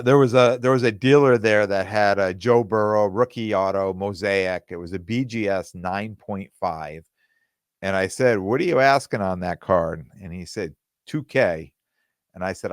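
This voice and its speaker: A man hosting his own podcast in casual, rambling talk, with plenty of fillers and restarts, and his voice going hoarse. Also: on the low side, dry recording, clean studio sound. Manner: quotes other people in dialogue. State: losing his voice. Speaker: podcast host.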